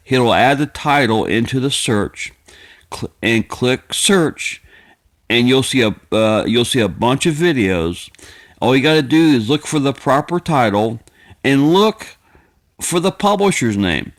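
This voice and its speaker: A man talks in a mid-pitched voice. He rambles in a folksy, homespun way, stopping short and repeating himself as he goes. The delivery is casual and unscripted, like a personal vlog. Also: lively intonation. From United States. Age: 50s. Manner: repetitive, halting, circling back over phrases; folksy, plainspoken. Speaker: video creator.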